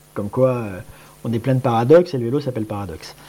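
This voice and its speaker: A man's dark, mellow, medium-pitched voice at a very fast pace. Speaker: bicycle frame company manager. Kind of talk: podcast interview. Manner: halting, many repetitions.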